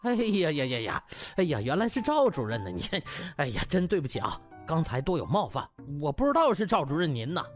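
A man's voice: on the high side, wildly swooping pitch, fairly quick, hardly any pauses, faint music behind. A man voicing a cocky, nonchalant young hospital intern in a comic audiobook, with brash, glib delivery. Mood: fawning. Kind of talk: comic audiobook drama acting.

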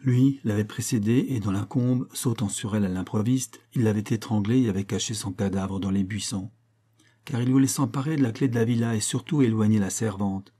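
Male audiobook narrator, measured, dark mellow tone, husky. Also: lowish voice. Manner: measured, storytelling. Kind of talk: scripted narration.

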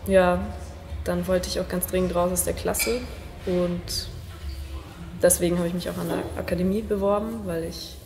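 A woman's voice: lowish voice, little pitch movement, normal speed, gravelly. A woman in her twenties from Munich, a stage design student, speaking hesitantly in an interview with many fillers. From Munich, Germany. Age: 20s. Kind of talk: casual interview talk. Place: indoor studio room. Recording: echoey room with audible noise.

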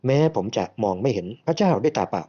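Man, first-person story narration, calm, earnest, warm mellow voice, muffled lo-fi recording. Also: mid-range voice, fast talker.

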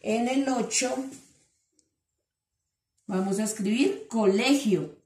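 Woman teacher dictating slowly. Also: on the high side, a little mellow. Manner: slow, syllable-by-syllable dictation with endearments. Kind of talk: online class for young children. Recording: echoey room.

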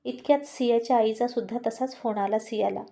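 A woman storyteller narrating a romance tale in a steady, expressive way. Her voice sits fairly high and sounds mellow and warm rather than bright. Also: a little fast, creaky.

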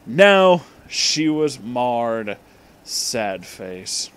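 A man's voice: mid-range voice, big pitch swings, very slow, fairly bright tone, clear, resonant tone. A man hosting a comic reading of fan fiction, exaggerating misspelled words and dropping in mocking, profane asides.

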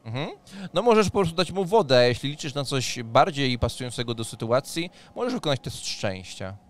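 A man acts as game master at a tabletop session, close on the microphone. His voice is mid-pitched, moving between narration and rules. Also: big pitch swings, normal speed. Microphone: studio mic on a boom arm, close.

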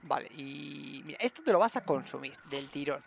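A young man giving excitable let's-play commentary and talking to his viewers. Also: on the high side, moderate pace, creaky, slight background noise. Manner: excitable, talks to viewers as "gente". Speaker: gaming streamer.

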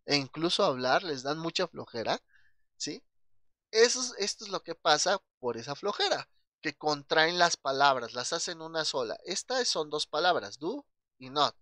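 A man's voice: a little high, sing-song, moderate pace, pushed and bright, dry recording, clean studio sound. A man with a Mexican Spanish accent teaching an English grammar lesson, patient and checking in often with his class.

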